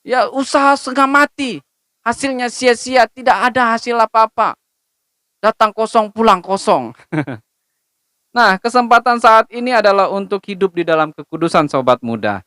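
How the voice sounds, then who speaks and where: A woman's voice: on the high side, lively intonation, normal speed, fairly bright tone, clean tone, dry recording. A young woman preaching a sermon to a youth service, speaking in a direct, admonishing way and drawing on her own experience. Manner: direct, admonishing, personal testimony.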